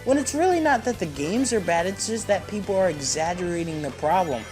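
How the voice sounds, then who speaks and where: A man's voice: sits high, lively intonation, brisk. A fourteen-year-old boy giving casual, rambling and opinionated commentary as he plays a video game. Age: 14, teenager. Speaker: gamer narrating a playthrough. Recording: game music behind the voice. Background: video game music.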